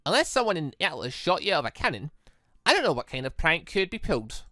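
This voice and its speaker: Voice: mid-range voice, big pitch swings, fast talker, bright, forceful tone, no echo, studio quality. A narrator voicing a cheerful, polite young robot girl in a visual novel, speaking in a chirpy, formal, matter-of-fact way. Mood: helpful, precise.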